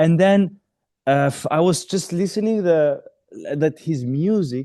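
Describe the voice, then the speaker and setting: Over a quiet background, a man with a fairly high pitch and a dark, mellow tone speaks at a moderate pace with lively intonation and an Albanian accent, the sound dry and close with no echo. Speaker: choreographer. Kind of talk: interview. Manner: halting, many fillers and restarts.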